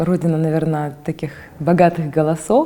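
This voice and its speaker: Over noticeable background noise, a woman speaks in a fairly low pitch with fairly even intonation. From Georgia, then Kazakhstan. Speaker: opera singer. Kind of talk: interview. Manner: hesitant, many fillers.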